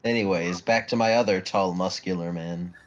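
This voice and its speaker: A man's voice: low voice, fairly even intonation, normal speed, highs cut off. A man chatting and bantering casually as a player in a tabletop game.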